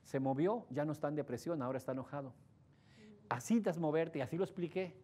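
Mexican man, speaker, lively storytelling, acts out voices, higher voice. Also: fast talker, noisy background. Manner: animated, acts out voices in his stories, asks the audience questions. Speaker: speaker giving a relationship talk. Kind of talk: lively storytelling talk to an audience.

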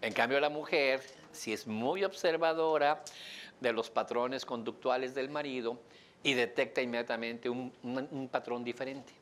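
A man with a Mexican accent giving a lively lecture to a live audience, joking and asking them questions. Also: medium pitch, normal speed, a little hiss or hum. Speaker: speaker teaching an audience.

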